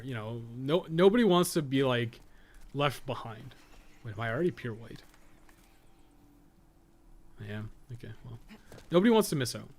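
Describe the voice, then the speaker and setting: A man doing casual live game stream commentary, thinking aloud as he plays and swearing bluntly and often. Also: mid-range voice. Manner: blunt, heavily profane; rambling, thinking aloud while playing. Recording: noticeable background noise.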